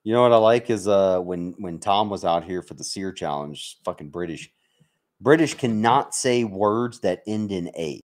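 A military veteran from Mississippi, United States, hosts a livestream and chats casually with viewers. His low-pitched voice is animated and moderately paced, and he's blunt, sweary, and full of joking banter.

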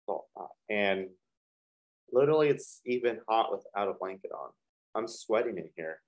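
A man's voice: fairly low pitch, expressive, normal speed. A young man hosting a reaction video, chatting casually and rambling with lots of fillers in a small hot studio with a fan running. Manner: rambling, full of fillers and restarts. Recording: dull lo-fi sound.

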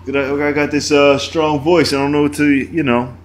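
A man's voice: fairly high pitch, little pitch movement, moderate pace, a little hiss or hum. A man hosting a casual podcast, talking loosely with many restarts and laughs. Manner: loose, rambling, laughs often. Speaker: podcast host. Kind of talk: casual chat.

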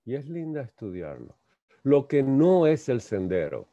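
A man slowly lecturing on a spiritual text, halting and repeating words, asking rhetorical questions. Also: mid-range voice, big pitch swings, dark tone, dry recording. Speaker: lecturer on theosophy. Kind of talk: slow reflective spiritual lecture. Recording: muffled lo-fi dry sound.

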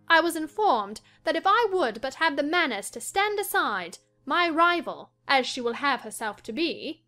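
A spirited young gentlewoman, acted by a woman, full of theatrical mockery. Her high voice swoops playfully through each teasing line of a storybook drama. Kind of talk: dramatized audiobook reading.

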